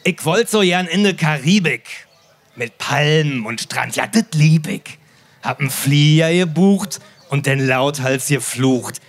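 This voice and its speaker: Man hosting a poetry evening, fairly high voice, chatty, recites limericks slowly. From Sauerland, Germany. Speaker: host. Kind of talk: moderating a limerick reading event.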